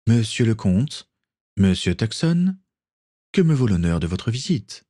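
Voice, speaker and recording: A male narrator voicing a haughty ship captain with a smooth, formal and cold manner. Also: on the low side, very animated, a little slow, mellow, no echo, clean studio sound, voice pushed up. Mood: courteous.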